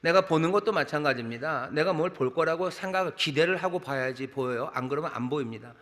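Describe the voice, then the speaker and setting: Talking fast in a slightly high, fairly bright voice, a middle-aged senior pastor delivers a conversational sermon marked by rhythmic repetition and rhetorical questions. The big sanctuary adds a long reverb.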